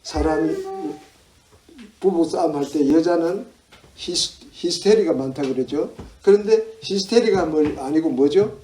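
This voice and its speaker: A male pastor giving an animated sermon at a church retreat, full of rhetorical questions. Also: on the high side, unhurried. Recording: echoey hall with faint noise.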